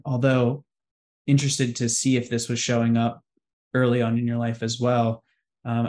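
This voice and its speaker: A man hosting an astrology podcast, asking questions gently and affirming his guest. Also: medium pitch. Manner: even, gentle, affirming listener. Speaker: podcast host. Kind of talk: casual interview.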